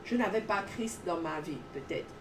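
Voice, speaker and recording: A woman's voice: fairly low pitch, normal speed, far from the mic, background noise. Earnest woman, heard off-mic. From Gabon. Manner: emphatic, repetitive phrasing. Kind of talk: earnest testimony talk.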